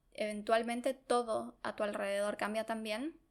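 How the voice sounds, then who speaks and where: Fairly slow, fairly high-pitched speech from a woman on a very clean recording with a silent background. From Ecuador, Quito. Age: 30s. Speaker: podcast host, feng shui consultant. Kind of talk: podcast monologue.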